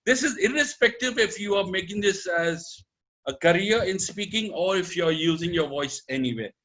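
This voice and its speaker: An Indian man in his fifties coaches an audience on public speaking with a bright, forceful voice pitched a little high. He talks emphatically and swings his pitch up and down. He drops Hindi words into his English. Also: animated, moderate pace. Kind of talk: motivational talk.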